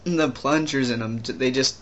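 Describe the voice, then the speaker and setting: A young trans man talking casually in a video diary, rambling and halting with many restarts and fillers. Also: mid-range voice, a bit bright, lo-fi sound, slight background noise. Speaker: vlogger.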